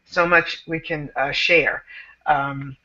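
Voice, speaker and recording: A woman's voice: low-pitched, fairly even intonation, slow pace, bright, forceful tone, muffled recording. A woman hosting a casual panel talk, emphatic and repetitive, running phrases together. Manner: emphatic, repeats herself, runs phrases together. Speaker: host.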